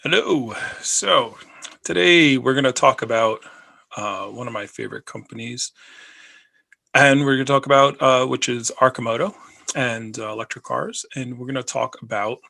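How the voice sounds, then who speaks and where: A man's voice: medium pitch, moderate pace, gravelly, bright, forceful tone. A man hosting a personal finance video, talking casually and rambling, with many fillers and repeated phrases. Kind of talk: casual talk to camera.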